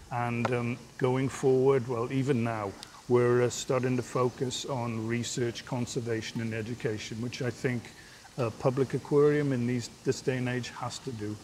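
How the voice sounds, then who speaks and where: A man's voice: medium pitch, slight background noise. An older man from Wales speaks in an easy, articulate way, recorded outdoors on a lapel mic. Faint outdoor ambience sits under his voice. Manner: articulate, relaxed storytelling. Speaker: aquarium director. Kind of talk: TV interview. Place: outdoors at a seaside aquarium.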